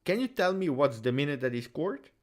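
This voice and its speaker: A man's voice: fairly high pitch, fairly quick. A man whose first language is French hosts a casual football recap, chatting passionately and with many fillers. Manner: animated, passionate, frequent fillers. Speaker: football video host.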